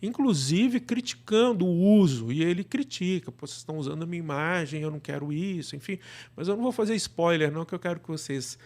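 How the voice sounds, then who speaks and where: Brazilian man, higher-pitched with some creak. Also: expressive, fast, darkish tone. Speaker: interview guest, radio drama producer. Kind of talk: conversational interview.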